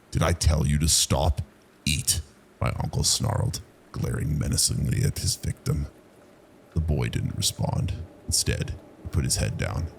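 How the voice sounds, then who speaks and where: Very deep, gravelly man narrating horror, haunting. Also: a little hiss or hum, low-quality recording. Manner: low, haunting delivery. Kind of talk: dramatic scripted horror narration in the first person.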